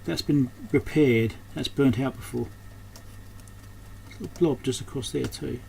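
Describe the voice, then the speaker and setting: A man's voice: mid-range voice, a little slow, a little mellow. A man giving casual, unscripted hands-on repair commentary, thinking aloud as he works. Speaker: host of an electronics repair channel. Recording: clearly noisy background.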